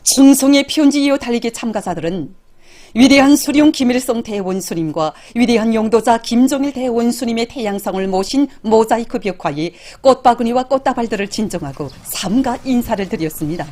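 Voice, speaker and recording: A woman's voice: fairly high pitch, animated, brisk, darkish tone, slight background noise. A woman with a North Korean accent reading scripted television news in a solemn, formal, declamatory manner. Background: music under the narration.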